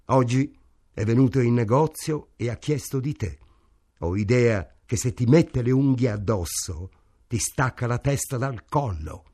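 A man's voice: medium pitch, lively intonation, a little slow, dark tone, pitched above the performer's own voice. A man voicing a tense clerk warning through clenched teeth. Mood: tense threat. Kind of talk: audiobook reading.

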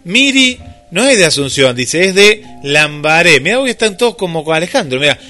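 A man's voice: on the high side, very animated, a little fast, sharp tone, soft background music. A man with an Argentine Rioplatense accent hosting casual radio chat, thinking aloud with plenty of fillers. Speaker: radio host.

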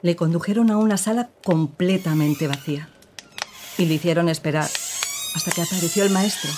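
An actress playing a woman who gravely recounts her partner's past in an audio drama, with measured, serious storytelling. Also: on the low side, background noise, close to an everyday voice.

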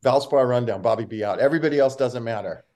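A man's voice: mid-range voice, fast talker. A man, a podcast co-host and tour caddy, telling profane stories in casual banter. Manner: profane, storytelling, animated impressions.

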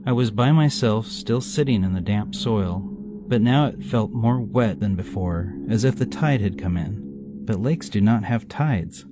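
Over music, a man with a lowish voice delivers a scripted horror story, unhurried and with lively intonation, yet somber and reflective in tone.

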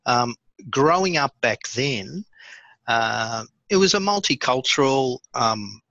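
Man, fifties, Australian accent, guest storyteller, easygoing with fillers, bright tone, dry close sound. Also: mid-range voice, slow, vocal fry, no room sound, lo-fi sound. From born in India, raised in Sydney, Australia. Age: 50s. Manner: relaxed, many fillers and restarts. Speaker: podcast guest. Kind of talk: conversational storytelling.

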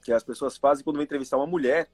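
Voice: medium pitch, steady tone, rapid-fire, darkish tone, slightly rough, no echo. Dry-sounding encouraging interviewer. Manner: friendly, encouraging, asks rambling questions. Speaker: interviewer, host. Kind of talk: casual interview.

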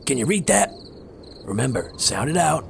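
An actor playing a gruff but coaxing guardian of a small child, casual and teasing, in an audio drama. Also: male voice, medium pitch, big pitch swings, moderate pace. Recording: noisy, with crickets behind.

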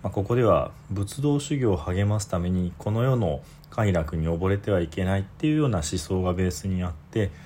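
Buddhist priest, man, low voice, unhurried dharma talk, patient and explanatory. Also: animated, a little hiss or hum. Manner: patient, explanatory, frequent soft fillers.

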